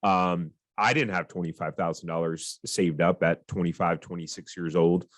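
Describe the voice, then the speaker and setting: A man's voice: low-pitched, fairly even intonation, normal speed, dry recording. Upbeat male podcast host. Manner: upbeat, enthusiastic. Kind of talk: podcast interview.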